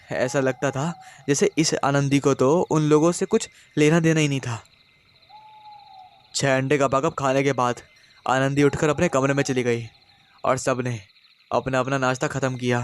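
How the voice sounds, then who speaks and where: A male storyteller narrates a horror tale in steady, dramatic scripted delivery. His pitch sits in the middle range for a man, and he lingers on the grim details. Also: clean tone.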